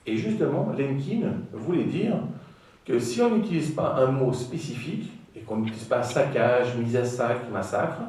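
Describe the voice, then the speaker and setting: A man's voice: mid-range voice, lively intonation, moderate pace, a little mellow. A man giving a public lecture in an auditorium, speaking emphatically and putting rhetorical questions to the audience. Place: large auditorium. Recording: echoey auditorium from far off.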